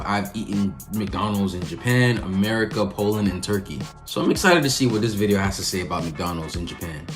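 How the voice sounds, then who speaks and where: Low-voiced man hosting a reaction video. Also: a bit bright. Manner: chatty, drops in Japanese words. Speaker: YouTube reaction host. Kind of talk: casual reaction commentary.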